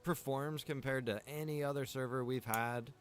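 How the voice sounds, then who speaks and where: A man's voice: mid-range voice, steady tone, normal speed, clean tone, faint music behind. A man chatting casually while streaming a game, informal and slangy, with some swearing. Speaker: streamer and game server developer.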